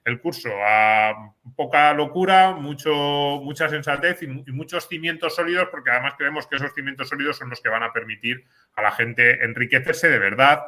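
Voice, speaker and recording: Bright-voiced Spanish-speaking man explaining. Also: medium pitch, fairly quick. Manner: earnest, explanatory, restarts words. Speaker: course presenter. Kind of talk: casual panel talk.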